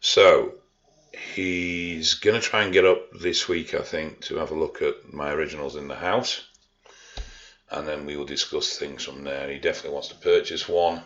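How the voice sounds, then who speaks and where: A man's voice: rumbling low, steady tone, moderate pace, a bit bright, dull audio. A Yorkshire man answering viewer questions in a casual vlog, blunt and dry-humoured, swearing freely. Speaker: fitness and art vlogger. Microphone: own vlog mic.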